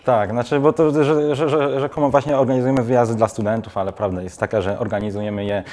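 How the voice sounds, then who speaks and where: A man's voice: mid-range voice, fairly even intonation, fast, warm tone. A young man in his twenties, a guest in a TV studio, talking casually with many restarts and fillers. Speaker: guest, student trip organizer.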